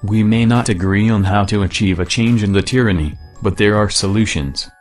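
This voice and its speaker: A man reading a scripted political statement in a measured, declamatory way, his voice disguised by being pitched down deep. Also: faint music behind.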